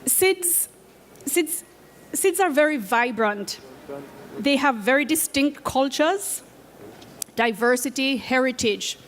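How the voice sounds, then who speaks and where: A woman with a Jamaican accent giving a prepared talk as a program head, earnest and measured. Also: sits high, expressive, long reverb tail, a little hiss or hum. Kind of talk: prepared presentation. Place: event space at a conference.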